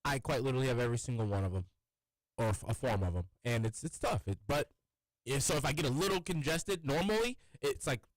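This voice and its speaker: A man's voice: mid-range voice, expressive, fast, dry recording, low-quality recording. Congested young male radio co-host. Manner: easygoing, rambling. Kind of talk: casual sports radio chat. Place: radio studio. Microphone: studio microphone.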